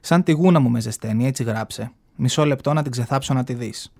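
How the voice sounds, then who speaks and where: A man's voice: medium pitch, gravelly, a little mellow. A flamboyant aging gay man tells his life story with sass and mockery, as a man reads him from a novel. He sounds proud and brash. The reading is heard from a radio studio. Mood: sassy. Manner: sassy, mocking, storytelling.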